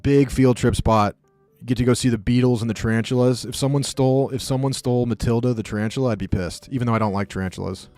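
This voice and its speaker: A man's voice: medium pitch, fairly even intonation, racing, hardly any pauses, mellow, faint music behind. Joking, rambling male streamer. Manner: joking, rambling, reacting to chat. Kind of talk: casual live-stream chat.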